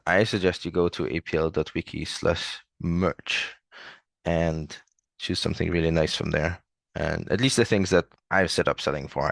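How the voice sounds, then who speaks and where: A male podcast co-host with a very deep voice and a gravelly rumble. The sound is dry and close, and his delivery is joking and deadpan. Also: no echo. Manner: dry, joking sales pitch. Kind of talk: casual podcast chat.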